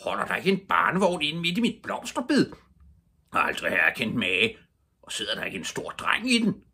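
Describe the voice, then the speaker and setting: A man voicing an angry grown man shouting over a hedge about his flower bed, in a storybook reading. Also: medium pitch, wildly swooping pitch, slightly rough, heavily acted. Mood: indignant shouting. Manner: indignant shouting.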